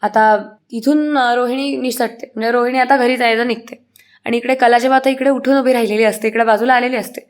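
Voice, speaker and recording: Woman recapping a soap episode, bit high voice, lots of uh's. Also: steady tone, brisk. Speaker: serial recap narrator. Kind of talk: storytelling recap of a TV serial.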